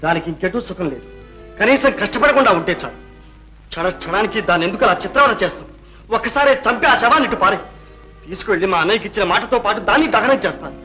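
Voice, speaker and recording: An actor playing a stern older uncle who defends his niece, indignant and rising to loud declamation in 1960s film melodrama. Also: sits high, expressive, very fast, faint music behind, poor audio.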